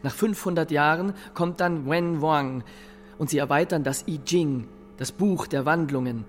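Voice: mid-range voice, measured pace, natural voice. A narrator reciting chronicle verse in a radio play, declamatory and precise.

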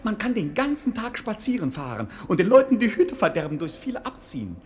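An actor playing a mocking, cheerfully cynical court fool in a classic radio play, theatrical and impudent. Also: male voice, sits high, sing-song, fairly quick. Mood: gleeful. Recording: noisy old radio play recording.

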